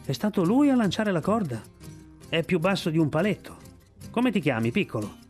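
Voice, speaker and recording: A man's voice: high-pitched, big pitch swings, normal speed, darkish tone, soft background music, voice pushed up. A man reading aloud, voicing a commanding, amused older elephant hunter. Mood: surprised.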